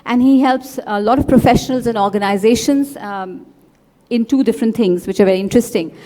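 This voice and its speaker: A woman moderating an event, giving a formal, measured and polite introduction of the guest speaker. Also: fairly high pitch, dark tone.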